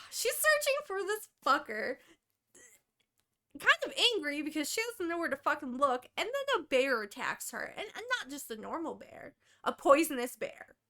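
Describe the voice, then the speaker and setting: A woman co-hosting a podcast, recapping a book in casual, animated chat full of swearing. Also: high voice, a little slow. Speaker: podcast co-host.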